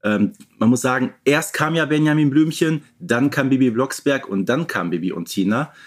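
A man's voice: medium pitch, normal speed. A man co-hosting a podcast, talking casually as a fan and explaining points in an informal discussion. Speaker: podcast co-host.

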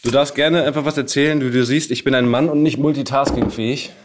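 A man's voice: medium pitch, steady tone, fast, noisy background. A man hosting a podcast in a casual, chatty way. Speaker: podcast host. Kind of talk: casual chat.

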